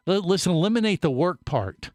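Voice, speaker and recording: A middle-aged man hosts a radio show from a studio, rambling through a funny story. His voice is smooth and clear, and the sound is dry and close. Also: high-pitched, expressive, a little fast, darkish tone, dry recording. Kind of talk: casual studio banter.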